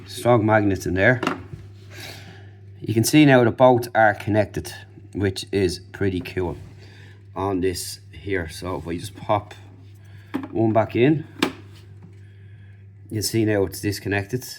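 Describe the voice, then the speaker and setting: Male product reviewer, lowish pitch, informal unscripted unboxing commentary, noisy recording. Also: slow pace, long pauses. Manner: informal, off-the-cuff demonstrating.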